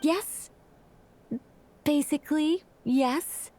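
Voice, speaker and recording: High-voiced, breezy scholarly witch. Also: extremely slow, darkish tone, a little hiss or hum. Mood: explaining. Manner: wordy, breezy explaining. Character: quirky scholarly young witch, rambling, breezy and eager. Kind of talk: video game voice acting.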